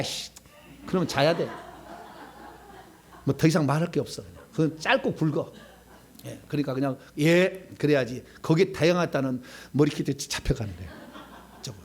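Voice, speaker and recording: A middle-aged man preaching a sermon as a pastor, swinging between loud bursts and quiet asides. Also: on the high side, slightly rough.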